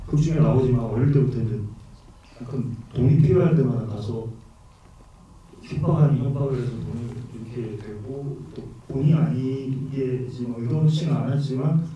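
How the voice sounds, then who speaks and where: A man's voice: mid-range voice, normal speed, dull audio, slight background noise. A man from Busan, an actor answering audience questions, candid and wry, heard from afar in a cinema hall. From Busan, South Korea. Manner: candid, wry, thinks aloud. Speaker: film actor at a post-screening Q&A. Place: cinema auditorium. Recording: echoey cinema hall, distant mic.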